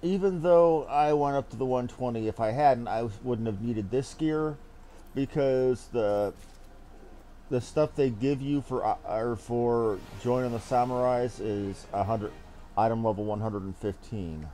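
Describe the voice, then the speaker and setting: A man's voice: mid-range voice, unhurried, dark tone, slight background noise. A man streaming a game, giving chatty, casual commentary full of informal slang.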